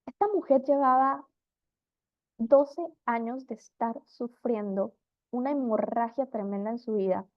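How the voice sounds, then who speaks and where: A woman with a fairly high voice gives an earnest Bible teaching talk. She tells the stories with feeling and acts out what each person says. The sound is dull and lo-fi, close and dry. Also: measured pace, dry recording. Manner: earnest storytelling, acts out quoted figures.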